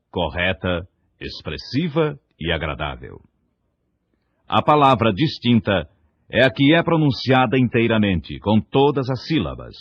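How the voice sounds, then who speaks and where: A man's voice: fairly low pitch, breathy edge. A man from Brazil narrating a scripted diction lesson, articulating every syllable with care. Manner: careful, precise articulation. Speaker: diction teacher. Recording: dull lo-fi recording.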